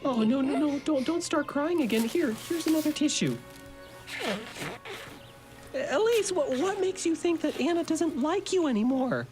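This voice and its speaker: Children's radio drama chaplain: kindly man out of his depth, high animated voice, hesitant and fussing, over music. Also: normal speed. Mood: flustered. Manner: hesitant, stammering, fussing, soothing.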